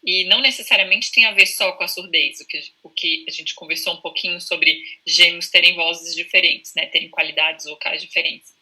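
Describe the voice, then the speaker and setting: A Brazilian woman speaks over a video call in a fairly low, very bright voice with a husky edge and a Brazilian Portuguese accent. She explains things calmly and patiently, like a speech therapist, often ending sentences with a quick "né?" check-in. The recording quality is low.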